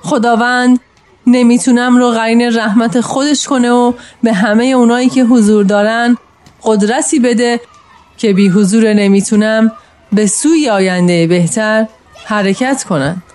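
A man's voice: very high-pitched, steady tone, darkish tone, voice pushed up. A man voicing a female schoolteacher who leads her class with a firm, solemn manner. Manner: solemn speechmaking.

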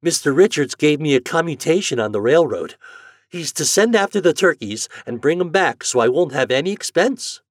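A man's voice: on the high side, lively intonation, moderate pace, no room sound, clean studio sound, voice pushed up. A man voicing an eager, jolly farm boy in a storybook, speaking in rustic old-time country dialect. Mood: eager, boastful. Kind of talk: storybook character voice.

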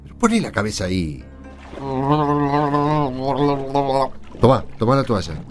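A man acts out a frazzled, sleepless Argentine crammer in a radio play. His delivery is lively and varied, colloquial and impatient. Music plays faintly underneath. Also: on the low side, fast. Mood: brisk, prodding. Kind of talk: radio drama acting.

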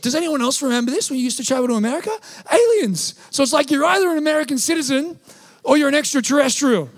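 A man preaching a sermon as pastor, animated and playful, acting out short quoted voices. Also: very high voice.

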